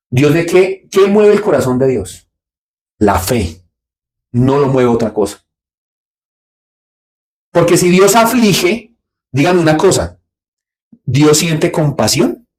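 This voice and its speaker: A man preaching a Bible study sermon. He asks rhetorical questions and answers them himself, dropping low for asides and rising sharply on his points. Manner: swings between low, quiet asides and sharp, raised points. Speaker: pastor.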